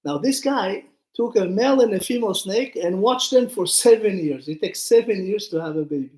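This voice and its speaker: A man's voice: high-pitched, expressive, moderate pace, a little mellow, reverberant. A man, a rabbi, giving an informal Torah lesson, retelling stories with acted-out dialogue and putting questions to his listeners. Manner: conversational, acts out dialogue, puts questions to listeners.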